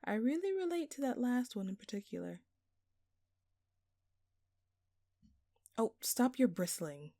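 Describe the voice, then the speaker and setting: A woman's voice: on the high side, big pitch swings, brisk, dark tone, no room sound. A woman playing a smug, flirtatious jewel thief in an audio roleplay, teasing and theatrical, with playful sarcasm. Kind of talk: intimate scripted audio roleplay.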